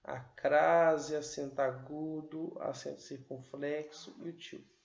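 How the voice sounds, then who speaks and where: A man's voice: on the high side, level tone, takes it slowly, gravelly, darkish tone, reverberant, lo-fi sound. A man teacher giving a literacy lesson at a whiteboard, spelling out sounds and syllables one by one. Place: room with a whiteboard.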